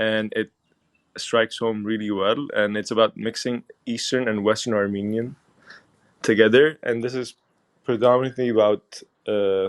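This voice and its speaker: A man's medium-pitched voice stays monotone and flat as he talks at a moderate pace. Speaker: panel moderator. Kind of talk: panel discussion moderation. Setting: audio chat room. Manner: hesitant, many fillers.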